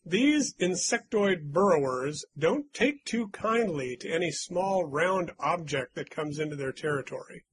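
A slightly higher, husky male voice runs a trivia game for friends. He reads clues aloud and teases the contestants in a loose, chatty way. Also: expressive, unhurried, hardly any pauses. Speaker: quiz host. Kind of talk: casual game-show chat with friends.

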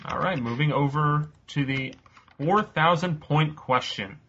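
A man hosting a casual podcast quiz, reading out questions slowly, cursing offhandedly and laughing often. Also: a little high, lo-fi sound, music in the background. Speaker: quiz host.

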